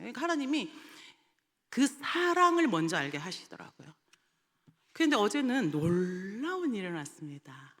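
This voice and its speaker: A woman evangelist telling a lively testimony in a sermon, laughing often as she recounts stories. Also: mid-range voice. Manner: animated storytelling, often laughing. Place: church sanctuary. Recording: long church hall reverb.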